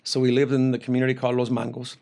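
A man from Venezuela talks as a guest professor on a podcast. He explains things carefully at an even, middling pitch. He often pauses on fillers and restarts his sentences. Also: creaky. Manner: measured, explanatory, with frequent filler hesitations and restarts. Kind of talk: conversational interview answers.

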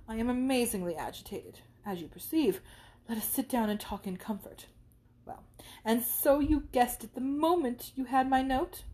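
A woman's voice: mid-range voice, a little mellow, close to an everyday voice. A woman reading aloud and voicing a gushing, theatrical young woman who swoons and drops into whispers.

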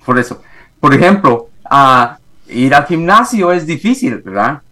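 A middle-aged man from Guatemala, speaking with a Guatemalan Spanish accent on a video call from home, telling his story haltingly with many fillers and restarts. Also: on the high side, lively intonation, sharp tone. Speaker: guest, executive coach. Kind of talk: remote interview, reflective storytelling. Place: home, in the morning.

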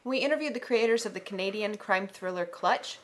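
A female podcast co-host in a casual, jokey chat. She teases her partner, and her voice sits at a middle pitch. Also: brisk. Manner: playful, teasing, jokey.

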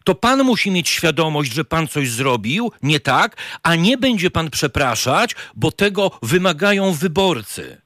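Man, radio host, combative, accusatory, animated pitch, dry studio. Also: unhurried, no room sound. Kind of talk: confrontational radio interview.

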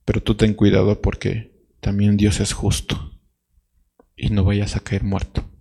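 Male pastor, sermon, deep voice, direct questions to the church. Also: completely flat delivery, measured pace, vocal fry, mellow, husky.

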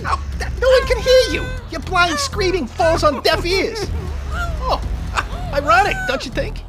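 A woman's voice: medium pitch, wildly swooping pitch, brisk. A woman voicing a cruel, mocking male demon villain in a comedic cartoon, sarcastic and gloating. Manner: sarcastic, gloating, shouts in anger.

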